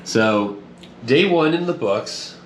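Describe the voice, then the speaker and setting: A man's voice: mid-range voice, lively intonation, takes it slowly. A man hosting a casual theme park vlog, chatting to the camera. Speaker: vlog host. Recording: roomy sound with clear ambient noise.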